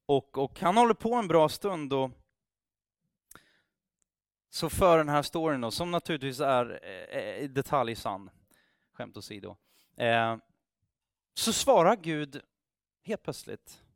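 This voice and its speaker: A man's voice: fairly high pitch, very animated, long pauses, no echo, clean studio sound. A man preaching, telling a story in a loose, conversational way with restarts and acted-out dialogue. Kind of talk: sermon storytelling.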